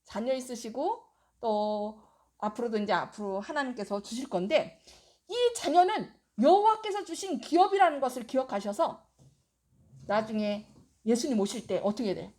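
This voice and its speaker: A woman's voice: on the high side, animated, moderate pace, darkish tone. A woman pastor preaching a sermon, telling a story expressively and quizzing the congregation with questions.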